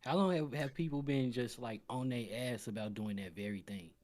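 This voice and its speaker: A man's voice: mid-range voice, moderate pace, a little mellow. A man talking casually in a gaming podcast conversation.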